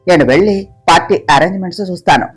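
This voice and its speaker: A man's voice: sits high, racing, slightly rough, soft background music, pitched below the performer's own voice. A woman voicing an eager, cheerful young man who pleads and talks with enthusiasm.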